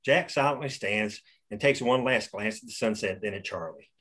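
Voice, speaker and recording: A man's voice: fairly low pitch, moderate pace, a bit bright, slightly rough. Man reading stage directions plainly. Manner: plain, matter-of-fact reading. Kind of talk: script table read.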